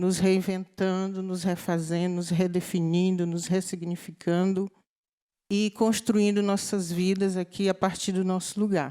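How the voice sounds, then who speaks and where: A woman speaks at a fairly slow pace and medium pitch, with a dark, mellow tone and monotone, flat intonation. The recording is very clean with a silent background. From Maranhão, Brazil (quilombola community near Bacabal). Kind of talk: panel discussion talk. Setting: theatre stage with audience.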